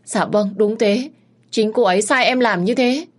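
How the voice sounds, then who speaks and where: Lady doing a scared young maid begging, high and tearful. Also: unhurried. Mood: accusing. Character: young maidservant, frightened and pleading.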